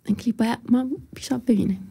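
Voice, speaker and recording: A woman's voice: a little high, steady tone, vocal fry, dark tone, slightly rough, no room sound. A young adult woman, a podcast guest, telling a personal story vividly and dramatically, acting out what other people said. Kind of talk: emotional personal storytelling in conversation. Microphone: podcast studio microphone.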